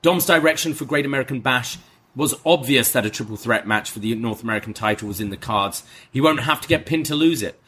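A man's voice: medium pitch, quick pace, bright, forceful tone, slight background noise. A man in his thirties co-hosting a podcast, joking around and reading listener mail. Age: 30s. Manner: joking, playful banter. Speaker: podcast co-host. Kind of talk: casual podcast chat.

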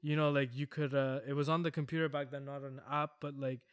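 A man's voice: medium pitch, level tone, fairly quick, clean tone, no room sound, studio quality. A man co-hosting a podcast, telling stories in casual chat, laughing often and swearing as he rambles. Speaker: podcast co-host.

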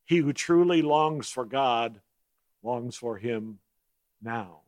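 A man preaching a sermon as a guest speaker, slowing down to lean on key words and clearing his throat now and then. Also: mid-range voice, a little mellow, no room sound. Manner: measured preaching with slowed emphasis on key words.

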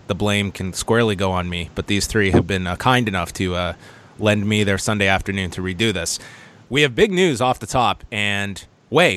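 A man hosting a casual round-table podcast, with wordy, measured phrasing. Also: fairly low pitch, a bit bright. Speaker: podcast host.

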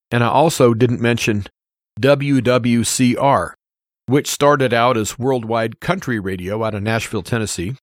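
A man's voice: mid-range voice, dry recording, clean studio sound. An American man hosting a radio show, talking informally and giving his opinions in an earnest, plain-spoken way, often repeating points for emphasis.

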